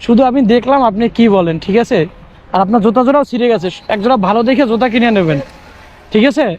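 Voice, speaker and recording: A young Bangladeshi vlogger on a city street talks fast in a very high-pitched, slightly mellow voice. He coaxes and pleads, repeating himself, and the audio is dull.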